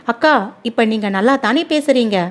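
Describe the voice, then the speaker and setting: A woman's voice: a little high, normal speed, natural voice. A woman voicing a kind, talkative young neighbor woman who speaks earnestly and pleads. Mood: urgent. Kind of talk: storybook dialogue.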